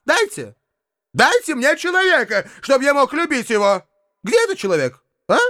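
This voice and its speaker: A man's voice: very high-pitched, very animated, normal speed, pushed and bright, voice pushed up, exaggerated voice. A man voicing a pompous, self-pitying male hypocrite in an audiobook, declaiming indignantly and melodramatically. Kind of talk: audiobook reading.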